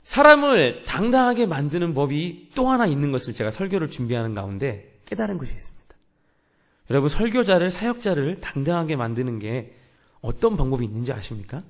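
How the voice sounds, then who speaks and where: A man's voice: on the high side, big pitch swings, a little fast. A young man, a youth pastor, preaching a sermon in an earnest way and asking the congregation questions.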